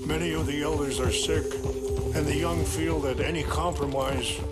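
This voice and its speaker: An actor playing a dignified, burdened Native American chief in a video game, speaking in a measured, formal and grave way. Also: male voice, a little high, fairly even intonation, natural voice. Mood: solemn. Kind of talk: naturalistic dramatic video game acting. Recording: loud dramatic music behind the voice.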